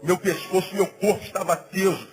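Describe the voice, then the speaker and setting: A middle-aged man, a pastor, preaching a sermon in a conversational, animated way with emphatic rising peaks, music in the background. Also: sits high, normal speed, low-quality recording. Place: church.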